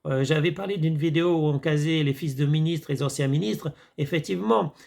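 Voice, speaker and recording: A man's voice: a little high, a little fast, creaky, a little mellow. A man talking casually to his viewers in a rambling monologue, hesitating often and calling them his friends. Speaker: video commentator. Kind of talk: casual monologue reviewing a series.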